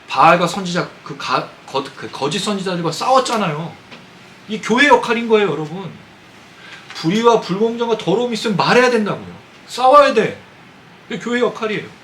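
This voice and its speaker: A pastor delivers a sermon in a lively, up-and-down voice, often turning to his listeners with questions. His voice sits a little high for a man, and a faint hiss runs under it. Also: poor audio. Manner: conversational preaching, asks the congregation questions. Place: church sanctuary.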